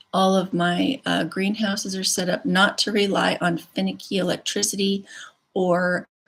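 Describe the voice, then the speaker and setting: Vocal fry in a woman's medium-pitched delivery, moderate in pace. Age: 40s. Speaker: homesteader and gardening channel host. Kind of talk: live stream talk with chat. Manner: casual, many filler ums.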